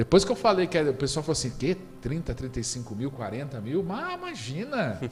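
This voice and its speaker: Lively intonation carries this fairly quick delivery, heard over noticeable background noise. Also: man, fairly high pitch for a man. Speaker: radio news host. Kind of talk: radio interview. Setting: radio studio. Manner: fast.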